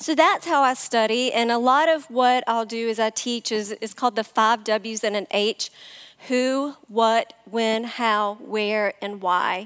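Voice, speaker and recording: A woman with a Southern US accent, fairly slow pace and ordinary pitch variation. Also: fairly high pitch for a woman. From US South. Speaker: Bible study teacher. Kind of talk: Bible teaching. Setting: church group with live audience.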